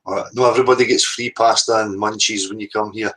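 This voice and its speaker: A man's voice: lowish voice, fairly even intonation, quick pace, pushed and bright, rough recording. A man with a Scottish accent chatting casually as a livestream host and reading out the live chat.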